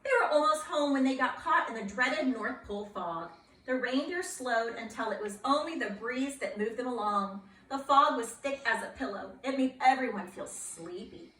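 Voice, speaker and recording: A woman reading a children's picture book aloud in a playful, expressive way, asking her young listeners questions. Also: fairly high pitch, moderate pace, roomy sound, far from the mic, low-quality recording.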